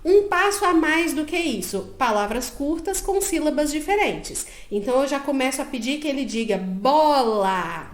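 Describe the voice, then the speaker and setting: A woman's voice: sits high, lively intonation, normal speed, hardly any pauses. A woman psychologist, giving step-by-step advice to parents and often checking that the listener is following. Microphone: own microphone. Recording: echoey room.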